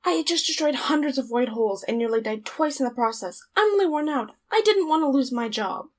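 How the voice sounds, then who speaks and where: A woman's voice: sits high, lively intonation, fairly quick. A woman playing an exasperated, worn-out young woman in an amateur audio drama. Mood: weary. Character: exhausted, exasperated young woman who clones herself.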